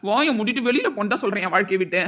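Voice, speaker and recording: A woman voicing an angry, scornful young husband in an amateur audio drama, shouting and scolding. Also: mid-range voice, animated, racing. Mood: furious. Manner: shouting, scolding, repeats "understand?".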